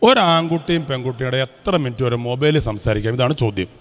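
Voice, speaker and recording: A man in his fifties from Kerala, a Catholic preacher giving a lively talk to schoolchildren and quizzing them with repeated questions. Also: medium pitch, a little fast. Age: 50s. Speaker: Catholic preacher speaking to students. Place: large hall with student audience. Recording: reverberant hall.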